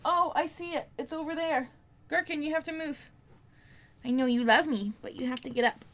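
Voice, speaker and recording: A woman's voice: high-pitched, moderate pace, a bit bright. Young woman, casual vlog chat, informal, rambling, self-deprecating. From Canada. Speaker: book vlogger.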